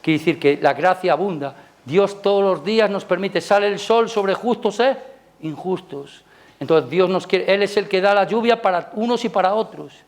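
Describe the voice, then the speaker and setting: Higher-voiced Spanish preacher, rising with emphasis. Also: male voice, moderate pace. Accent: Spanish from Spain. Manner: conversational, rhetorical questions to the congregation; rises loud and high on emphasis, drops soft. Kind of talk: sermon. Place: church service.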